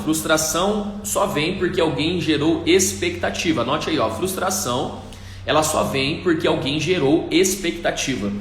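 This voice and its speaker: A man's voice: fairly high pitch, a bit bright, slight background noise. Man preaching. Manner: emphatic, repetitive preaching, addresses viewers directly. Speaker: pastor. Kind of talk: livestream sermon. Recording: echoey room.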